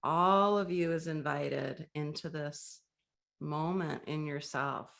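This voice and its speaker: A woman leading a guided breathing meditation, speaking softly and gently with long, inviting pauses. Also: sits low, steady tone, gravelly.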